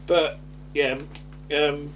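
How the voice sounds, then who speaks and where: A man's voice: a little high, flat delivery, extremely slow, a bit bright, recorded from a distance. British man chatting, off-mic with background hum. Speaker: podcast co-host. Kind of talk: casual chat recapping a TV comedy episode.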